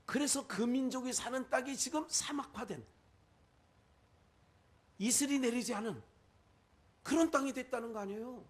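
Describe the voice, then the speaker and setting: A man's voice: very high-pitched, normal speed, pauses often. A male pastor with a Chungcheong Korean accent, preaching a sermon full of rhetorical questions and quoted asides.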